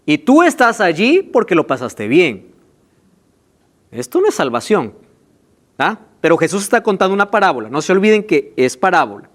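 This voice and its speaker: Pastor guy preaching, high voice that jumps all over, stretches out the big words. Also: wildly swooping pitch, normal speed. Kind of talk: sermon with Bible reading.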